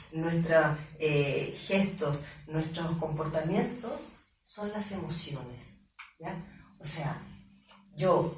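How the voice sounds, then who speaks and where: A woman's voice: medium pitch, a little hiss or hum. A woman coach and emotional therapist giving a conference talk. She explains step by step and keeps checking in with her listeners. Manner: acts out quoted voices of parents and others. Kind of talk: lecture to a live audience. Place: conference venue. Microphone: distant from the microphone. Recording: very echoey hall from far off.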